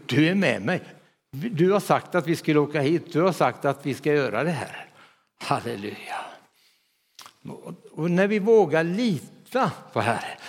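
A man's voice: a little high, slightly rough. Fervent preacher man in a reverberant hall. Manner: fervent, often breaks into hallelujahs. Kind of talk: sermon.

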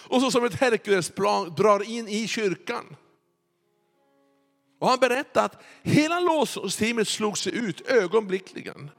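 High gravelly preacher man in echoey hall. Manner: animated, building to loud excited peaks. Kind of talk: sermon storytelling. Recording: echoey hall with faint music. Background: faint music.

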